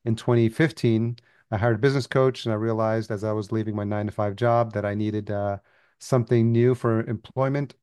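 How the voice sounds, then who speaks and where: A man's voice: lowish voice, fairly even intonation, brisk, a little mellow, clear, resonant tone, no echo, clean studio sound. A man from El Salvador, a podcast agency founder, telling his story as a guest in a casual interview and laughing easily.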